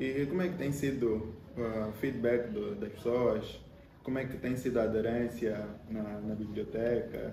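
There is audible room echo as a man with an Angolan accent speaks fairly slowly with fairly even intonation. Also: medium pitch for a man. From Angola, Luanda. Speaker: podcast host. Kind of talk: casual interview.

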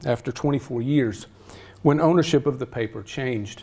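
The pace is moderate. A man talks with ordinary pitch variation. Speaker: presenter, newspaper editor. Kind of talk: lecture. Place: hall.

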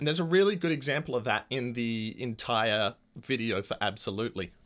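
A man's lively intonation and moderate pace come through over a quiet background. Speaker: audio engineer reviewer. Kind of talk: commentary. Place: studio. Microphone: headset.

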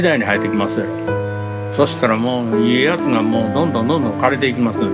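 Loud background noise sits behind a man speaking in a Kansai accent. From Nara, Japan. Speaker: bamboo craftsman. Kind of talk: interview answer. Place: workshop.

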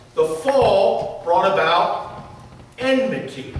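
Recorded with light background noise and audible room echo, a man speaks. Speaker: preacher. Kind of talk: sermon. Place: church.

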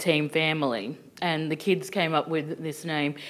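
A woman speaks at a very deep, low pitch. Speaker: youth community volunteer; panellist. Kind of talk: panel presentation. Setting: conference stage with audience. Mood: warm, smiling. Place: hall.

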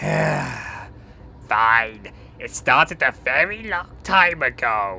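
Using a put-on character voice, a man speaks at a medium pitch and a very slow pace with big pitch swings, vocal fry and a bright, sharp tone.

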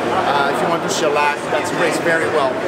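Loud background noise runs behind a man speaking. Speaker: exhibitor salesman. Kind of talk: interview answer. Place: hall. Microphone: camera far.

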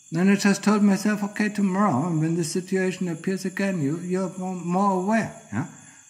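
At a moderate pace, a man speaks with hardly any pauses. His voice is high, with fairly even intonation. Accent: German. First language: German. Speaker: Buddhist monk teacher; monk teacher. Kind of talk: dharma talk. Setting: monastery. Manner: halting, frequent filler 'yeah?'. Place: hall.

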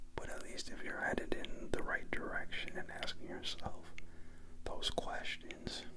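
A soft-spoken man whispering, with loud background noise. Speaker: vlogger. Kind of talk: soft reflective talk to camera, ASMR-like. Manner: soft close-mic ASMR whisper. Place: home room. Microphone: handheld.

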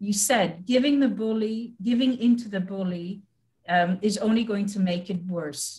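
Speaking at a moderate pace, a woman has a dark, mellow tone, a somewhat breathy quality and ordinary pitch variation, with a quiet background. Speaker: moderator. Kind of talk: moderated panel discussion. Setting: video call. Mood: earnest, reflective. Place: home room. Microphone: webcam.

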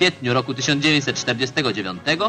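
Music runs in the background. Over it, a man speaks with lively intonation. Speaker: newsreel narrator. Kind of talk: newsreel narration.

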